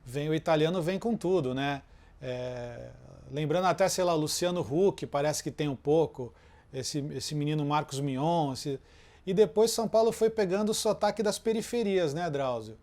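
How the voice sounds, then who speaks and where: A male interviewer talks loosely and warmly enough in easy conversation. His voice sits fairly high, and he fills his phrases with questioning tags and short fillers. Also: moderate pace. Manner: chatty, loose, with many "né?" and "é" fillers.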